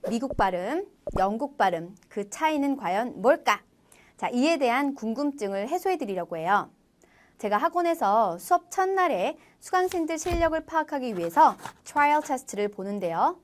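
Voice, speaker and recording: Clear, higher-pitched woman teaching. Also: sing-song. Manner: clear, measured explanations with model words. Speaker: IELTS listening teacher. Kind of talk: online lecture.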